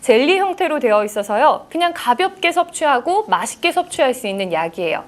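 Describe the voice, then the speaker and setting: A woman's voice: sits high, very animated, brisk. A young adult woman, a trained announcer, giving a polished scripted lecture on sales talk and acting out sample customer questions. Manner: polished, clearly articulated delivery that acts out sample customer dialogues.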